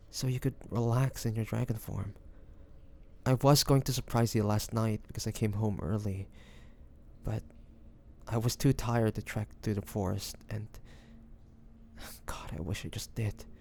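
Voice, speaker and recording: Man acting as a low, gravelly devoted fantasy adventurer. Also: darkish tone, a little hiss or hum. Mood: tender, regretful, urgent. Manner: intimate, earnest, with breathy sighs. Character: devoted fantasy adventurer and healer, tender toward his dragon beloved. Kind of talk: dramatic audio roleplay addressed to the listener.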